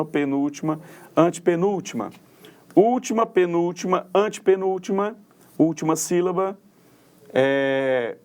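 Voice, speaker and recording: Man teaching grammar, slightly high. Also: a little mellow. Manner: explanatory, repeats terms, says "né" and "ó" often. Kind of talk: recorded classroom lesson.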